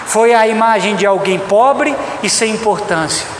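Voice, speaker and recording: A man's voice: high voice, moderate pace. A Brazilian man preaching a sermon, speaking emphatically and repeating his points as he addresses the congregation directly. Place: reverberant church hall. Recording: echoey hall, loud background noise.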